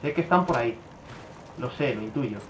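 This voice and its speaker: A man from giving casual commentary over his own gameplay, swearing a lot and breaking into loud outbursts. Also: mid-range voice, moderate pace, echoey room, noisy background. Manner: swears often, bursts into excited outbursts.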